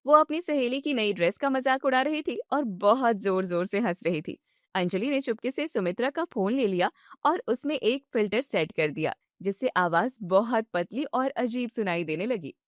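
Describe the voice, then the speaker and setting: A woman narrating a storybook with even storytelling. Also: on the high side, moderate pace, no room sound, studio quality.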